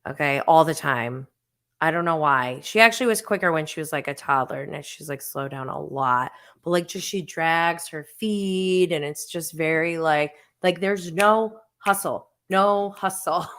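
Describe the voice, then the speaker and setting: Woman, forties, casual vlog storytelling, unhurried pace, slightly low voice, self-mocking, laughs a lot. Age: 40s. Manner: animated, self-deprecating, laughs often. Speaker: vlogger. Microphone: on camera.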